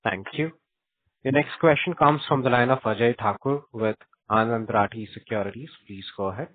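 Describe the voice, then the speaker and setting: A man's voice: mid-range voice, normal speed, dry recording. A man working as a conference call operator, introducing the next questioner in scripted phrases. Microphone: conference call line. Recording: dry, tinny phone line.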